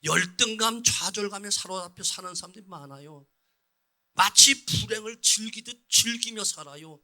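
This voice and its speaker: A middle-aged man, a senior pastor, preaching a sermon in church, moving between quiet low asides and loud, urgent appeals to the congregation. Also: normal speed. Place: church sanctuary.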